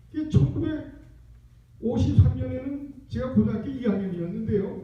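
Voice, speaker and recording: Fairly slow speech from a man, audible room echo and noticeable background noise around him. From Seoul, South Korea. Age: 80s+. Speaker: eulogist at memorial service. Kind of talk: eulogy. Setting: funeral chapel memorial.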